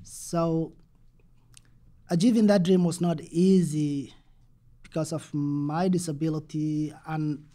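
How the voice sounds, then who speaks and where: A young man from Somalia giving a panel talk in second-language English. He speaks very slowly with pauses and restarts. His voice sits fairly high but sounds soft and dark. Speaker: panel presenter. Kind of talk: panel presentation.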